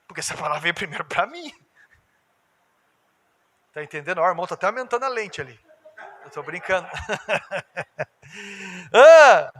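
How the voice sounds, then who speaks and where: A Brazilian man preaching as pastor in a church, animated and joking, acting out everyday conversations to make his points. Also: on the high side. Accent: Brazilian Portuguese. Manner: animated, jokey preacher who acts out everyday dialogue. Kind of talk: lively sermon. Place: church hall. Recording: reverberant church hall.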